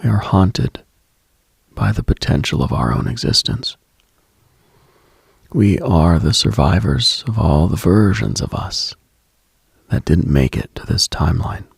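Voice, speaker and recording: Male late-night host, heavy vocal fry, very dry close sound; intimate, husky, unhurried, contemplative ASMR-style delivery. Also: deep voice, animated, no echo. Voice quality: husky, gravelly, breathy. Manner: hushed, unhurried, contemplative, addresses listener directly.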